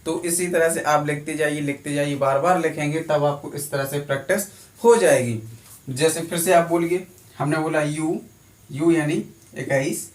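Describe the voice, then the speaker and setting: A man's voice: a little high, normal speed. Man drilling a class from afar. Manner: drilling, repetitive question-and-answer. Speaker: teacher. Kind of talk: classroom lecture. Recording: echoey room from a distance.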